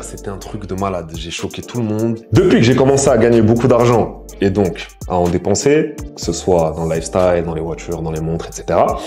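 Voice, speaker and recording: A man's voice: fairly low pitch, a little mellow. A young man in his twenties talking to the camera in a vlog, boastful and self-assured, speaking straight to his viewers. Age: 20s. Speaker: influencer and investor. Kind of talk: direct-to-camera vlog monologue.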